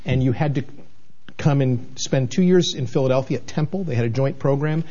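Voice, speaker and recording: A man's voice: mid-range voice, a little fast, dark tone, muffled recording. Earnest man in his sixties, rambling. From New England, United States. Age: 60s. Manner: earnest, rambling, with many restarts and fillers. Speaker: television station manager, guest. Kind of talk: candid interview conversation.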